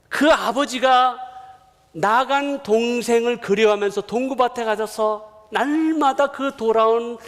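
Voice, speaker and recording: A middle-aged man preaching a sermon as a missionary, telling family stories and acting out the dialogue with lively swings. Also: very high-pitched. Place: church sanctuary. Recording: long hall reverb.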